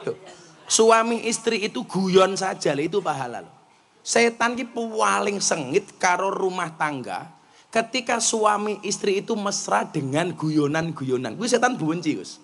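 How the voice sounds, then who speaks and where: Lively high-voiced Javanese preacher. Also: male voice, unhurried. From Indonesia. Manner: mixes Javanese and Indonesian, jokes and animated storytelling. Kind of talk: comic Islamic sermon.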